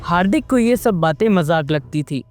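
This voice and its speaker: A male storyteller narrating a scripted horror-fantasy tale. His voice sits high for a man and his delivery is lively and dramatic. Faint music plays under him. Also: moderate pace.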